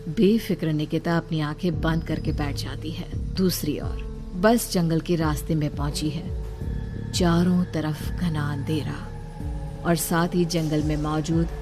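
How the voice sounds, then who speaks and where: A woman narrating a cartoon story in a brisk, blunt scripted manner. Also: deep voice, steady tone, music in the background.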